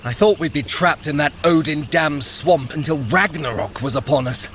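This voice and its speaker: An actor playing a sly, vain, sardonic Norse trickster god in an audio adventure drama, with a theatrical, arch delivery. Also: male voice, fairly high pitch, normal speed, fairly bright tone, a little hiss or hum, lightly acted. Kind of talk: audio adventure drama acting for a fitness running app.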